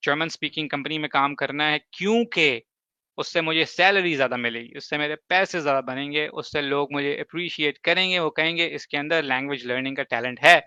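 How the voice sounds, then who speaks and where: A man's voice: on the high side, bright, forceful tone, clean tone, dry recording, lo-fi sound. A man whose first language is Urdu, giving emphatic advice in a casual talk and explaining with examples. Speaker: host.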